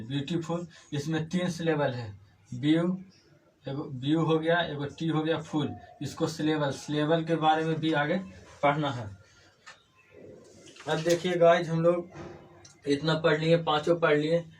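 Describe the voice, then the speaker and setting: A man's voice: on the high side, a little mellow. A man teaching an English grammar class, explaining step by step and repeating key words back as questions. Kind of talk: classroom lecture. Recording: distant mic, faint room noise.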